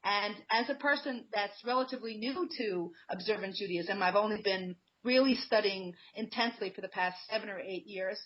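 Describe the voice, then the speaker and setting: A woman's voice: mid-range voice, moderate pace, hardly any pauses. A woman guest on a radio talk show, talking earnestly and conversationally and telling personal anecdotes. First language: not Hebrew. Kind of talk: radio interview, personal storytelling. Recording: muffled lo-fi radio sound.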